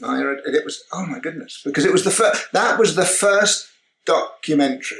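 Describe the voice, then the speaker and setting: A man with a British accent. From UK. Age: 70s. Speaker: historical weapons specialist and TV presenter. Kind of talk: interview.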